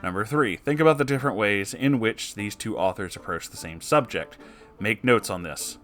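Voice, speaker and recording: A man's voice: lowish voice, normal speed. Sarcastic man reading stories over music. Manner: animated, sarcastic, swearing, exasperated asides. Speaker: host reading listener-submitted stories aloud with reactions. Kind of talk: casual story reading with running commentary. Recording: music behind the voice.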